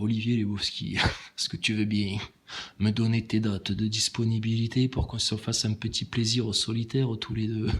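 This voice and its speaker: A man's voice: lowish voice, breathy edge, pitched below the performer's own voice. A man putting on a teasing, mock-romantic southern voice with a Toulouse accent, drawing out a flirtatious invitation.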